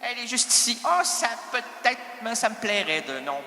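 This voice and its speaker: A man's voice: extremely high pitch, very animated, normal speed, sharp tone, echoey room, in a large hall. A man with a Québécois accent improvising a comic stage monologue, rambling, interrupting himself and teasing the audience. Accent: Québécois French. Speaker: improv performer and host.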